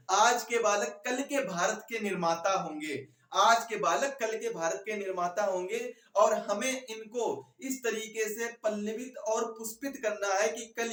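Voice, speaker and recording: A man's voice: high voice, fairly bright tone. A man giving an explanatory exam lecture, repeating key phrases and putting questions to his students. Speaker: exam coaching teacher. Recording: echoey room, distant mic.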